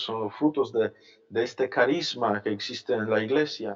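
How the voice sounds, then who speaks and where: The speaker has a Polish accent and ordinary pitch variation. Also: man. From Poland, Warsaw. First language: Polish (speaking Spanish). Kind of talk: interview. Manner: halting, many fillers.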